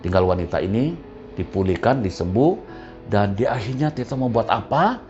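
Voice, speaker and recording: A male pastor with a lowish, expressive voice delivers a storytelling sermon at a moderate pace. He's a vivid storyteller who acts out the voices of the characters in his story. The recording is muffled, with soft music playing behind him.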